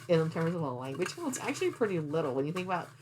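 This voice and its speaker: A woman's voice: low-pitched, very animated, a little fast, darkish tone, a little hiss or hum, poor audio. A woman hosting a craft vlog, chatting casually in a rambling way and thinking aloud as she goes. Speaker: cross-stitch vlog host. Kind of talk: casual rambling chat to camera.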